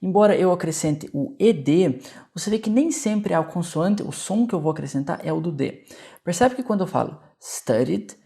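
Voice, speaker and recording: A man's voice: sits high, expressive, normal speed, gravelly, dark tone. A man with a Brazilian Portuguese accent teaching an English grammar lesson, explaining patiently and checking in often with the viewers.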